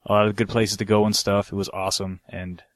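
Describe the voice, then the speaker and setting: A man's voice: lowish voice, level tone, fast, no room sound. A man co-hosting a podcast, telling anecdotes in a casual, slangy, rambling way with some swearing. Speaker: podcast co-host.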